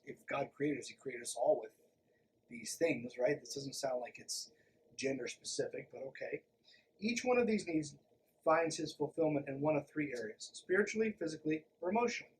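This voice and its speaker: A man's voice: on the high side, low-quality recording. A man hosting a podcast, reading aloud and commenting in an irreverent, sardonic, emphatic manner. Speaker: podcast host. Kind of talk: reading a text aloud with sarcastic running commentary.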